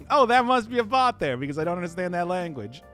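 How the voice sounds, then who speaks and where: A man's voice: high-pitched, big pitch swings, a little fast, pushed and bright, soft background music. Giggly man commentating a game. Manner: jokey, giggly, rambling. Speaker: let's-play host.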